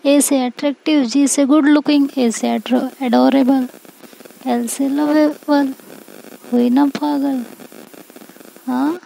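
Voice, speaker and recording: A woman's voice: high-pitched, fairly even intonation, slow, creaky, long pauses, mellow, a little hiss or hum, full character voice, rough recording. A woman voicing a playful young woman who teases and coaxes her upset wife in a pleading, sing-song way. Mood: coaxing.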